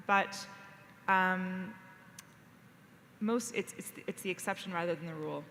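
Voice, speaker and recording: A woman's voice: on the low side, fairly bright tone. A woman journalist on a discussion panel, talking in loose, rambling sentences full of fillers and restarts. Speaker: panelist, foreign correspondent. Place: conference hall panel. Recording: reverberant hall, faint noise.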